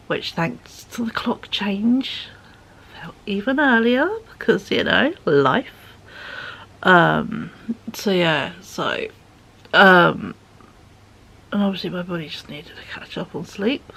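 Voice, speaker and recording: A woman's voice: on the low side, vocal fry, a bit bright, slightly rough. A woman vlogging from home into a phone at arm's length, chatting in a rambling way with lots of fillers and dips into whispers, her voice sounding tired. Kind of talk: chatty vlog monologue.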